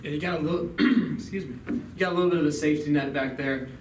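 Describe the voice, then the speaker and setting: A man's voice: on the high side, fast talker. A young male college basketball player answering postgame press questions steadily, with frequent "um, you know.". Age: young adult. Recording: echoey room, mic at a distance, background noise.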